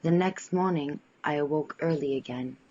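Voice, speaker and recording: A man voicing a curious, gentle young woman who narrates an audio drama in measured, formal phrases. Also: on the high side, dull audio, lightly acted. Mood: quietly resolved. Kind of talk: first-person audio drama storytelling.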